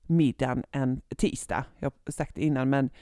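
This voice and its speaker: A woman co-hosting a podcast, chatting in a relaxed, opinionated way. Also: extremely low pitch, dry recording, clean studio sound. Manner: relaxed, opinionated, giggles between points. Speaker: podcast co-host. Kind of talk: casual podcast chat.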